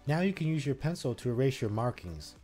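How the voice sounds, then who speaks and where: A co-host of a home-improvement channel reads a scripted, step-by-step voice-over on installing a shelf. His medium-pitched, mellow voice swings widely in pitch and moves briskly in an instructive way, with faint music behind.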